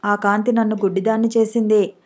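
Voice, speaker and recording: A woman voicing a frail, gravely ill young wife who pleads tearfully for forgiveness, read in an audiobook. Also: medium pitch, level tone, brisk, darkish tone, close to an everyday voice. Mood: tearful pleading.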